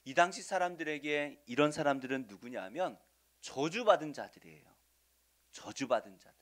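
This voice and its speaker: Brief: male pastor preaching in a church, slightly raised pitch, keeps asking the pews questions, dynamic shifts from loud to quiet. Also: lively intonation, moderate pace. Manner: asks the congregation questions and answers them; swings between loud stresses and soft asides. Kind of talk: Sunday sermon. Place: church sanctuary.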